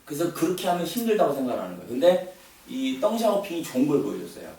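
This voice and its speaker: A man's voice: a little high, very animated, racing, warm tone. A man giving a casual lecture to an audience, talking conversationally with frequent fillers and repeated words. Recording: very echoey room, distant mic, faint noise.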